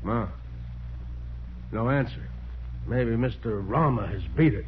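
An actor playing a skeptical, impatient homicide detective, gruff and slangy, in 1940s radio drama style. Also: male voice, mid-range voice, slow, natural voice. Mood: wary, scornful. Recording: muffled, noisy 1940s radio recording with hum.

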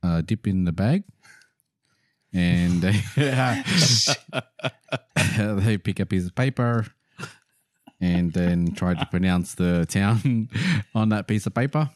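A man's voice: deep voice, slow, pauses often, darkish tone, no echo, studio quality. A man co-hosting a podcast, casually running a game with easygoing laughter. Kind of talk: casual chat.

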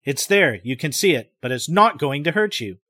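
A man reading the part of a doctor who questions his patient in a calm, firm, reassuring way. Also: a little high, moderate pace, no echo, studio quality.

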